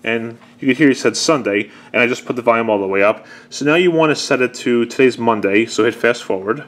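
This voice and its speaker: A man gives a casual, unscripted walkthrough at a middling pitch. He explains each step conversationally, as if showing a gadget to viewers at home. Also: a little fast. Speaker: presenter demonstrating an old answering machine. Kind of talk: casual unscripted product demonstration.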